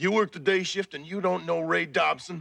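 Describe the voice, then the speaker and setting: A man puts on a raspy character voice pitched high. He speaks at a moderate pace with fairly even intonation. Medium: short film. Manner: plain, old-fashioned folksy speech.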